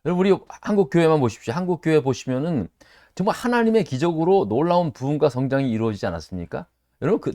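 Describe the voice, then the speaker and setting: A middle-aged man pastor leading a Bible study sermon, speaking in an animated way, asking his listeners rhetorical questions and acting out quoted voices. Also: dry recording, studio quality. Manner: acts out quoted voices with sudden jumps in pitch.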